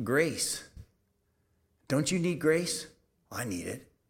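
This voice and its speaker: A man's fairly high voice with vocal fry, very wide pitch swings and a fairly slow pace. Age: 50s. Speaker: bible teacher. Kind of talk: sermon.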